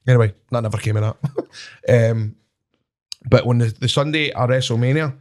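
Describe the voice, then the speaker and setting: A Scottish wrestler, appearing as a guest in a casual chat, tells animated stories laced with swearing and laughs at his own tales. His voice is mid-range and moderately paced.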